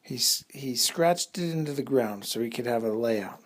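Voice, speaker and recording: A man improvising a bedtime story for children, in an unhurried, halting way with a slightly husky, breathy voice. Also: medium pitch, animated.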